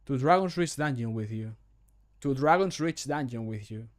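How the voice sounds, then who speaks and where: A man, a native Spanish speaker, voicing a scolding, stern city guard for a fantasy game in a deliberate, warning manner. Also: medium pitch, lively intonation, close to an everyday voice. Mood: commanding.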